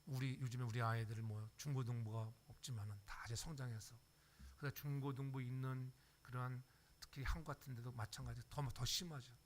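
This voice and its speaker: Older man, pastor, lively sermon, acts out quick voices, asks the congregation "yes?". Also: medium pitch, a little hiss or hum. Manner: animated preacher acting out everyday voices, frequent "예?" to the congregation. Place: church sanctuary.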